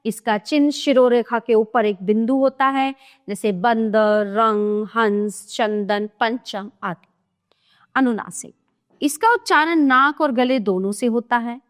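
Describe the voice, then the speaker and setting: A woman teaches a grammar lesson at an unhurried, deliberate pace. Her voice sits a little high, and she spells out each example one at a time, pausing now and then to check that the listener is following. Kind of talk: explaining a Hindi grammar lesson.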